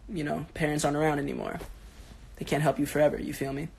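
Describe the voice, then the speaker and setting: Raspy-voiced sick young man chatting. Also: on the high side, level tone, fast, a little mellow. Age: 20s. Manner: laid-back, rambling, slangy, answering fans. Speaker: social media personality on a livestream. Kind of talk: casual livestream chat reading comments. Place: bedroom at home.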